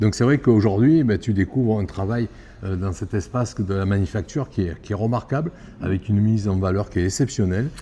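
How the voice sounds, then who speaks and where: Fairly quick in pace, a man with an unremarkable speaking voice talks at a fairly low pitch with ordinary pitch variation. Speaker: event reporter, interviewer. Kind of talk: casual talk to camera.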